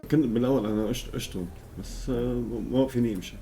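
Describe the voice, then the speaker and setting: A man's voice: mid-range voice, rapid-fire, dark tone, faint music behind. A man giving casual testimony as an aid recipient, starting and stopping as he talks. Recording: faint background noise.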